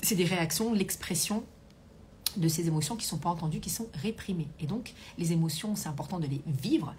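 A woman's voice: fairly low pitch, fairly quick, a little mellow, slight background noise. A woman coach hosting a live stream, chatting casually, reading comments aloud and talking with many fillers. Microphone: Bluetooth hands-free earpiece.

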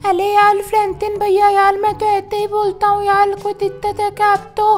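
A man's voice: very high-pitched, monotone, a little fast, pitched above the performer's own voice. A man voicing a stubborn, chirpy little boy with a heavy lisp, in a comic gameplay role-play.

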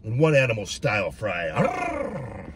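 Heavy background noise surrounds a middle-aged man's mid-range, very animated voice at a normal pace. He's filming a food review from his parked truck, cursing freely and rambling along in a self-mocking, crude way.

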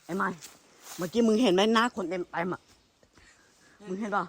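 A man yelling in panic in a jungle, his voice pushed high and loud, breathless and swearing in alarm. He sounds strained and winded. Faint forest noise surrounds him. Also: fairly quick. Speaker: ghost-hunting vlogger. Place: outdoors in a dense rainforest.

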